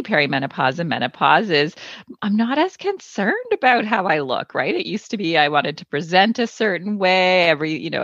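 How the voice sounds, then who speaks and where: A woman's voice: lowish voice, fairly bright tone, no echo. A woman in her forties chatting candidly and reflectively as co-host of a casual health podcast. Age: 40s. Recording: dull, band-limited sound.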